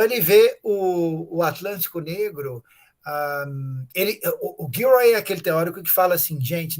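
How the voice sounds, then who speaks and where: A man with a Brazilian Portuguese accent, a professor giving a conference lecture in an explanatory way, with many fillers and tag questions. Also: fairly high pitch. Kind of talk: academic lecture, unscripted.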